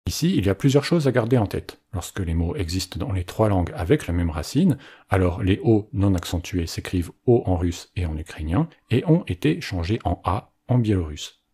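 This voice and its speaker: A man with a very low, husky voice narrates a scripted language lesson. His pitch moves lively up and down while the tone stays mellow and dark, in a clear, explanatory teaching manner. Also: normal speed.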